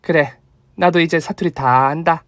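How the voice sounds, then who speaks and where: A man's voice: fairly high pitch, normal speed, a bit bright, no echo, studio quality, lightly acted. A man voicing a thrifty, kind elderly mother-in-law who fusses and scolds affectionately. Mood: fond.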